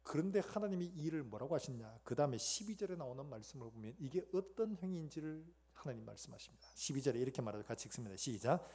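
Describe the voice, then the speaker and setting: A man's voice: mid-range voice, expressive, fast, few pauses, warm tone, slightly rough. A man preaching a sermon as pastor, with a Gyeongsang accent, who asks the congregation questions and acts out scenes.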